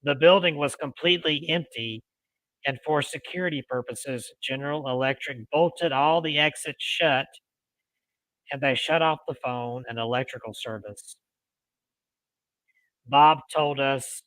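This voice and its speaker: A man hosting a paranormal show, reading ghost stories aloud in deliberate phrases with casual asides. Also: medium pitch, fairly bright tone, no room sound, low-quality recording. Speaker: host of a paranormal storytelling show.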